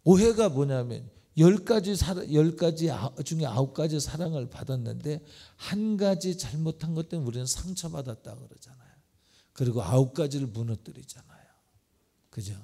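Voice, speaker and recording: A middle-aged male pastor preaching in church, firing rhetorical questions and swinging between loud emphasis and hushed asides. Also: fairly high pitch, expressive, normal speed, creaky. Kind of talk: sermon. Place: church sanctuary.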